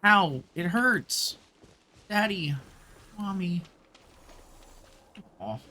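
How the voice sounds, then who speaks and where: A streamer giving casual live gameplay commentary in an informal, expressive way, with plenty of swearing. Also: medium pitch, extremely slow, slight background noise. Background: game music.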